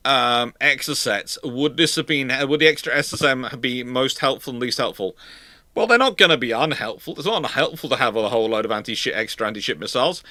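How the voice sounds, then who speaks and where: Bright-voiced man talking off the cuff, stammering. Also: mid-range voice, dry recording. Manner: stammering, repeats words and restarts mid-phrase. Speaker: livestream host answering viewer questions. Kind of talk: casual live question-and-answer talk on naval history.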